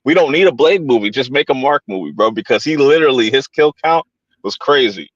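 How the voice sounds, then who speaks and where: A man's voice: medium pitch, expressive, fairly quick, dry recording, dull audio. A man hosting a horror podcast in casual chat, laid-back and slangy, often repeating his phrases. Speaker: podcast host. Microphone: home streaming setup.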